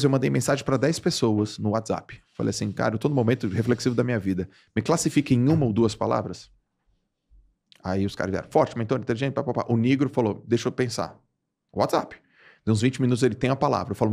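A middle-pitched, gravelly man from Brazil in his forties, chatting as a podcast guest. He tells stories with lots of slang and leaps up in pitch to stress a point. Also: quick pace. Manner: animated storyteller, jumps in pitch for emphasis, slangy. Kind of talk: casual podcast chat.

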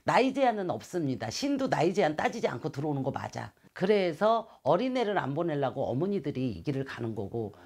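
With a deep, husky, darkish voice and a sing-song lilt, a middle-aged shaman fortune teller talks briskly with few pauses. She earnestly explains her interview answers, gesturing with her hands, in a shrine room with calligraphy screens while wearing a clip-on mic.

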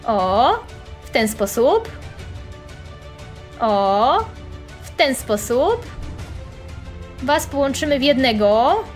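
A young woman commentating her own online game playthrough, chatty and excitable, talking straight to her viewers and making playful sound effects. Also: high-pitched, drawn-out words, long pauses, faint music behind. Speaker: gaming channel host. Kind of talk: playful let's-play commentary.

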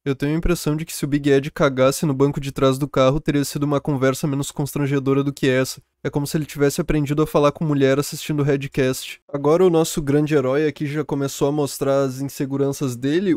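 A man delivers scripted commentary with biting sarcasm and casual swearing. His voice is slightly high but mellow in tone. The recording is close and dry, with no room sound. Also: fairly even intonation, fast, hardly any pauses, no echo. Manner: sarcastic, mocking, swears freely. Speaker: commentary youtuber. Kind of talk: scripted video commentary narration.

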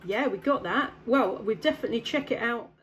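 A woman's voice: a little high, animated, brisk, noisy background. Upbeat English woman on CB radio. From south east England. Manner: friendly, upbeat, ends turns with "back to you". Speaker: CB radio operator. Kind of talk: casual radio chat.

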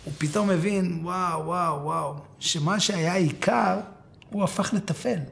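A man preaches in a high, lively voice, acting out a story and turning to his listeners in direct address. His delivery is animated throughout the sermon. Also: vocal fry.

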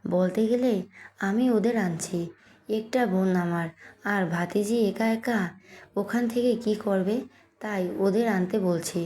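A woman storyteller voicing a calm older father who gently persuades his son, in a mellow reading voice. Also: medium pitch, a little slow, natural voice.

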